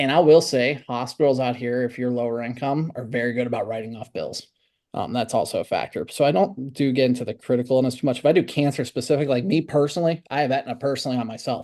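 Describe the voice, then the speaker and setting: Over a quiet background, a man of medium pitch speaks at a very fast pace with hardly any pauses. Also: ordinary pitch variation. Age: 30s. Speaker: insurance agent. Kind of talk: casual chat.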